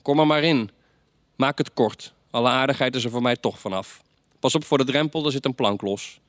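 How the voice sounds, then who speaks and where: A man voicing a gentle, resigned old fairytale teller on his deathbed, pleading and weary. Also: mid-range voice, steady tone, fairly quick, no room sound, clean studio sound, pitched above the performer's own voice, lightly acted.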